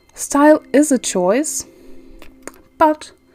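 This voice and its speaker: A woman's high-pitched voice, with ordinary pitch variation, comes through over music in the background. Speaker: watercolour artist and art youtuber. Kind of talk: casual talk while painting. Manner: halting, self-correcting.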